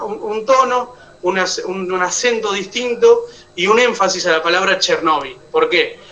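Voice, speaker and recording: A man's voice: high-pitched, pushed and bright, distant mic, low-quality recording. A man with an Argentine accent teaching an oratory class, explaining step by step and checking that his students follow. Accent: Argentine Spanish. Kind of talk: online class lecture.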